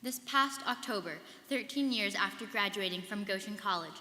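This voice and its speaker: A young woman with a bright, mid-pitched voice plays a resolute alumna recounting her trials. She reads from a script, firm and measured, in a strongly echoing hall. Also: lively intonation. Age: young adult. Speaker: student performer in a dramatic reading. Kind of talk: scripted first-person dramatic reading. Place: large hall. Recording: very echoey reverberant hall.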